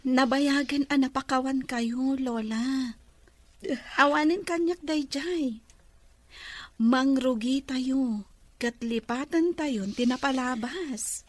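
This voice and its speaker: A woman plays an earnest young Ilocano daughter in a drama. Her voice is high and close, with little room sound, and she speaks slowly with a wounded, forgiving sweetness. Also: dry recording. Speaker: voice actor in an audio drama. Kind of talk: sentimental radio-style drama acting.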